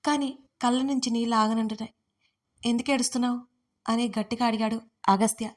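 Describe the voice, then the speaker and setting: A young woman narrating a first-person story in an expressive, emotional reading. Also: on the high side, fast.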